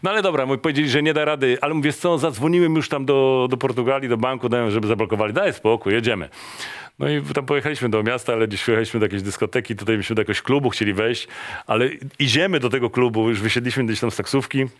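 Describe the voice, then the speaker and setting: A man's voice: mid-range voice, quick pace. A middle-aged man from Poland, a former footballer, telling anecdotes as a guest and acting out what other people said. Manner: animated, acts out quotes of others in his stories. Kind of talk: anecdotal storytelling.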